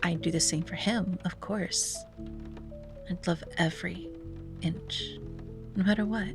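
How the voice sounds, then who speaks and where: A woman playing a wistful, self-doubting young sea-witch in an ASMR roleplay, speaking softly and breathily with hesitant musing and frequent drops to a whisper. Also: lowish voice, steady tone, measured pace, music in the background. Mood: tender, yearning. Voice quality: breathy, often dropping to a whisper. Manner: hesitant, musing, sighing, gently playful. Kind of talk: ASMR roleplay, soft intimate monologue.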